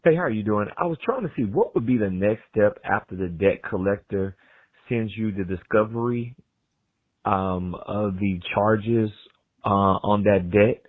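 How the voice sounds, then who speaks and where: A man leaving a voicemail question for a show, played back over a phone line, halting and searching for words. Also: on the low side, no echo. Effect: voicemail message played back over a phone line. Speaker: caller.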